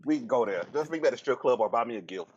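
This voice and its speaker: A man's voice: medium pitch, expressive, racing, a little hiss or hum. Blunt Southern-accented man, muffled sound. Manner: blunt, joking, storytelling. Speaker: guest. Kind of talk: casual podcast chat. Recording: dull lo-fi sound.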